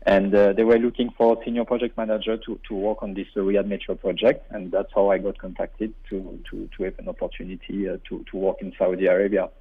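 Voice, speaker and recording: A man in his forties with a low, slightly rough voice gives a flat, brisk delivery with few pauses during a radio interview over the phone. Burundi-born and a native French speaker, he has a French-speaking Belgian accent and frequently repeats words while searching for them.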